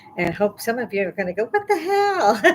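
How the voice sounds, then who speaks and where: Amid noticeable background noise, a woman with an American accent speaks with very wide pitch swings. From Chicago. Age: 60s. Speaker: livestreamer, retiree. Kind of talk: casual livestream chat. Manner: fast.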